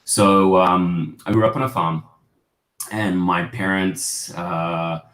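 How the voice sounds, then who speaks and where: A man's voice: sits low, flat delivery, slow pace, fairly bright tone. A man, a guest photojournalist talking over a video call, reflective and rambling with many fillers. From Australia. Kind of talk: casual interview storytelling. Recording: roomy home-office echo.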